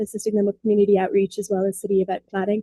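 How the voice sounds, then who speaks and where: Recorded dry and close with no echo, a woman with an Irish accent speaks in a dark, mellow tone. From Ireland. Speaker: community outreach staff. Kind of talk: self-introduction at board meeting.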